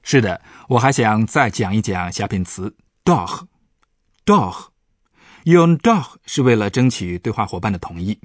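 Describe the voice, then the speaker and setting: Speaking a little slowly in a lowish, expressive voice, a professor walks listeners through German grammar on a radio lesson. He is patient and explanatory, leaning on example words, and there's no room sound.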